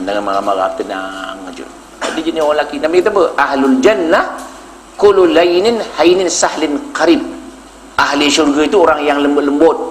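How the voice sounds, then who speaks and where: A male Malaysian Malay preacher delivers a sermon full of jokes, leaping up in pitch for the punchlines and chuckling along. His voice rings through a large, echoey hall. A faint ambient noise sits underneath. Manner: animated storytelling, jumps high in pitch for punchlines, laughs at own jokes. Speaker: Islamic preacher. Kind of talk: sermon lecture with humorous stories.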